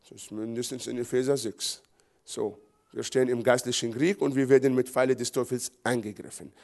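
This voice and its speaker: A man's voice: mid-range voice, fairly even intonation, fairly quick, creaky, darkish tone. A middle-aged man from Israel, preaching a sermon emphatically in repeated phrases. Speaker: pastor.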